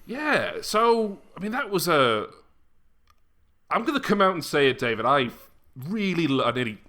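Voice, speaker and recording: A man's voice: on the high side, big pitch swings, normal speed, pushed and bright. Bantering man. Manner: bantering, self-deprecating. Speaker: podcast host and audio drama creator. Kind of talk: casual chat.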